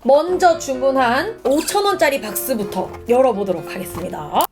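A woman's voice: sits high, lively intonation, moderate pace, music in the background. A woman hosting an unboxing vlog, playful and exclamatory, addressing viewers with theatrical game-show-host announcements and reveals. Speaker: beauty vlogger hosting an unboxing.

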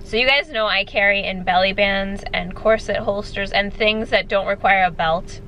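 A woman's voice: mid-range voice, normal speed, pushed and bright, slight background noise, rough recording. A woman in her thirties talking casually to a camera held at arm's length in a parked car, laughing lightly between words. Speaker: vlogger. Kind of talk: casual vlog talk to camera. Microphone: phone camera at arm's length.

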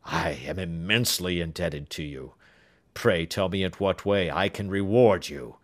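A man doing a loud, effusive king. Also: low-pitched, measured pace. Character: excitable, grandly emotional male king.

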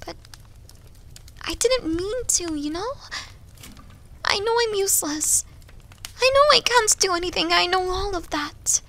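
A woman acts out a young wolf girl for an ASMR audio drama. The voice is very high and bright, moving slowly and hesitantly. She sounds timid, devoted and plaintive, with soft breathy dips. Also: a little hiss or hum, exaggerated voice.

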